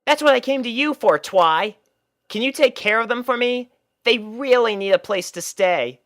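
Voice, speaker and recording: A man's voice: extremely high pitch, expressive, moderate pace, a bit bright, pitched above the performer's own voice. A man voicing a brash, confident young female cartoon pony who talks in an emphatic, exclamatory way. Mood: defensive, pleading.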